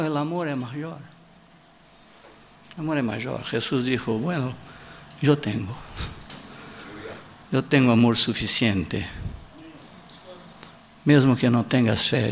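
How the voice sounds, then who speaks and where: Preaching in halting Spanish peppered with Portuguese, this native Portuguese-speaking man stresses his key line through repetition and performs the quoted voices. His medium-pitched voice is creaky, and there's slight background noise.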